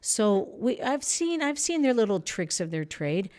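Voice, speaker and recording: A political candidate whose first language is Spanish speaks as an interview guest in a mid-range, slightly mellow voice, very animated yet unhurried. She answers earnestly in rambling sentences that often break off.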